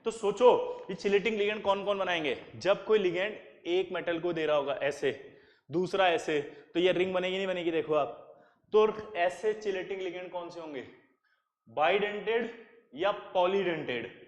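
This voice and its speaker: A man's voice: sits high, moderate pace. A man teaching chemistry in a classroom lecture, drilling students with repeated questions and answers. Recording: echoey classroom with long reverb.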